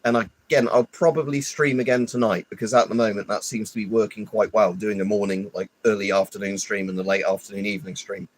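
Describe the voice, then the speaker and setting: Male streamer, husky low voice, congested, rambling and irritable. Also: fairly even intonation, a little fast, few pauses, no room sound, rough recording. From United Kingdom. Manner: rambling, irritable, swears often. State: stuffy with hay fever. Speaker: livestreamer. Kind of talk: casual live stream chat.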